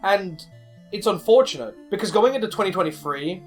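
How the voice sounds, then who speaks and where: Higher-voiced man, casual personal narration over music. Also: expressive, moderate pace. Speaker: indie game developer and video creator.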